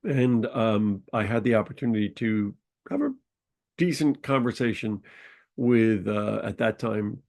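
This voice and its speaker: A man's voice: lowish voice, animated, a little slow, vocal fry, a little mellow. A man hosting a podcast, his voice nasal and congested from a sinus infection, telling a story in a rambling, casual way with frequent ums and uhs. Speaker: podcast host.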